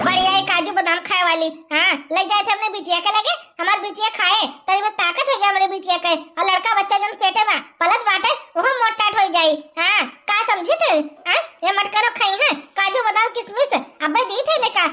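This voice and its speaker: A cartoonish character voice at a fairly quick pace, with very even loudness. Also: woman, extremely high pitch for a woman. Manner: sharp, bossy, scolding.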